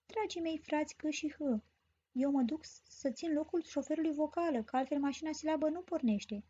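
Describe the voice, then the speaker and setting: A woman voicing a sick young sister, the letter E, in a storybook lesson, speaking gently and slowly. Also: high voice, dull audio, close to an everyday voice. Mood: unwell.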